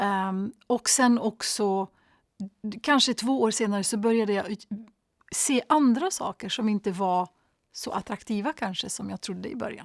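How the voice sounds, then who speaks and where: A woman's fairly high voice with a non-native accent on a very clean recording, silent background, dry, close sound with no echo. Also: ordinary pitch variation, moderate pace. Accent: non-native Swedish. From Middle East (Lebanon, Kuwait, Cyprus). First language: Arabic (speaking Swedish). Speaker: TV presenter. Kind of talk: personal testimony. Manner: hesitant, with fillers.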